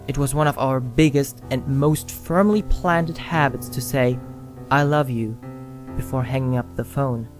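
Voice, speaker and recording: Slow, halting story narrator over music. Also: medium pitch. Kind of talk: scripted first-person scary story narration. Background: music with guitar and piano.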